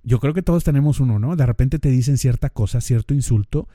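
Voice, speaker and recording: A man's voice: medium pitch, quick pace, dark tone, no room sound, studio quality. A man with a northern Mexican accent hosting a podcast in a casual monologue, speaking straight to the listener and acting out little dialogues. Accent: northern Mexican Spanish. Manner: conversational, addresses listener directly, acts out little dialogues. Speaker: podcast host.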